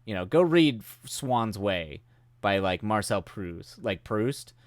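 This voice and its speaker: A man hosts a live writing stream, chatting casually and rambling with self-deprecating humor while he's getting sick with a cold and his voice is starting to go. His fairly low voice is animated and slow, recorded with clean studio sound and no room sound.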